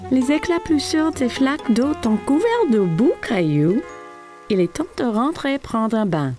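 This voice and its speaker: A woman voicing a patient, encouraging mother figure in a children's cartoon, gentle and coaxing with a singsong delivery. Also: fairly high pitch, very animated, measured pace, faint music behind. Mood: kindly firm. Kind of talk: children's cartoon dub acting.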